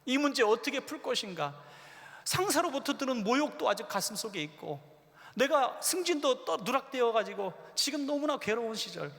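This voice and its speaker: A man delivers a revival sermon in a church sanctuary, his raised, gravelly voice rising and falling dramatically. He acts out quoted lines as he tells stories. A long hall reverb trails every phrase. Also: very high-pitched, normal speed. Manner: animated storytelling preacher, acts out quoted voices. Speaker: pastor.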